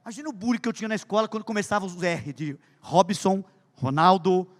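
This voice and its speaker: A man preaching a sermon with humorous stories, swinging between loud emphasis and hushed asides. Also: high-pitched, lively intonation, quick pace, in a large hall. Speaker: pastor.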